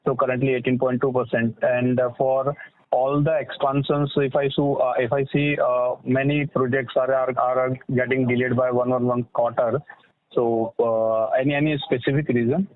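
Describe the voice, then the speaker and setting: A man puts questions to management as an analyst. He is courteous but halting, repeating words as he goes, and sounds dry and narrow over a telephone line. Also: medium pitch, level tone, dry recording. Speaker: financial analyst asking questions. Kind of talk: earnings call questioning. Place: telephone conference call.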